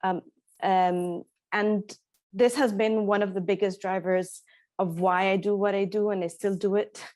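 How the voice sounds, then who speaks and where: Woman from Egypt, conference presentation, hesitant, many restarts, mid-pitched, dry sound. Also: steady tone, unhurried, darkish tone, no room sound. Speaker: speaker presenting at an academic talk.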